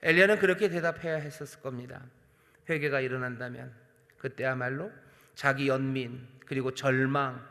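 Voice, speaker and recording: A senior pastor with a medium-pitched voice preaches earnestly at a night prayer service in a large church sanctuary. He speaks straight to the congregation, voicing God's questions, his delivery swelling emphatically and then dropping soft.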